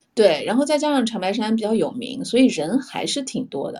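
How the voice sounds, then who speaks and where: A woman talks at a fairly quick pace with a fairly high pitch. Her tone is dark and mellow, with vocal fry. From northwestern China. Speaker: columnist. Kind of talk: casual chat.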